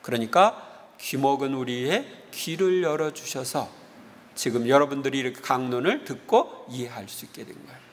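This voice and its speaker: A man's voice: mid-range voice, lively intonation, moderate pace. A man preaching a homily as a Catholic priest, telling stories and explaining them in short phrases. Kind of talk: homily with anecdotes. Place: large church interior. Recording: reverberant church hall with long echo.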